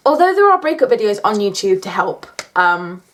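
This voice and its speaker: A woman's voice: medium pitch, big pitch swings, moderate pace. A British woman in her late teens chatting casually in a question-and-answer vlog, with a blunt, sweary, joking manner. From United Kingdom. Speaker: YouTuber answering viewer questions.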